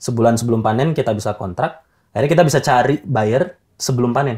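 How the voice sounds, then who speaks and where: A man's fairly quick, somewhat breathy voice at medium pitch, dark and mellow in tone, on a very clean recording with a silent background. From Jakarta, Indonesia. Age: 30s. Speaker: startup founder. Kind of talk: interview.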